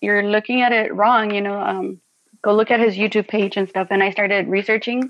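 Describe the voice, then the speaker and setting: A woman speaks in a Spanish accent at a fairly high pitch. Her pace is moderate and her pitch variation ordinary. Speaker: college student. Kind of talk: casual discussion.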